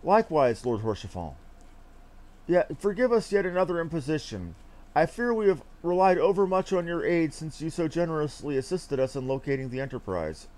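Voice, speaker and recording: A man's voice: a little high, sing-song, brisk, darkish tone, rough recording. A man voicing an earnest, self-assured young noble diplomat from a fantasy game, speaking in formal, archaic and declamatory language. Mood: formal, courteous. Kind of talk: theatrical read-aloud of fantasy game dialogue.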